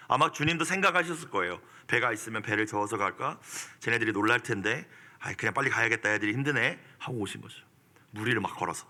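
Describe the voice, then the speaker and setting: A male pastor giving an early-morning sermon, moving between soft, quiet asides and pleading, forceful outbursts. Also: medium pitch.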